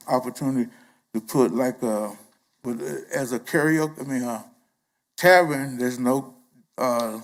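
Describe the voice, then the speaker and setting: A man speaks at a moderate pace with fairly even intonation, on a very clean recording with a silent background. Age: 60s. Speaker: zoning applicant, prospective bar owner. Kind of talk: public hearing testimony. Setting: public hearing room. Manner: halting, many fillers.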